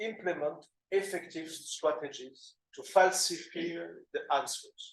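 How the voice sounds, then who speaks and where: A man speaks in a French accent, with audible room echo around him. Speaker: doctoral researcher in psychology. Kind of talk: conference talk. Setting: academic conference. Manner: halting, many fillers.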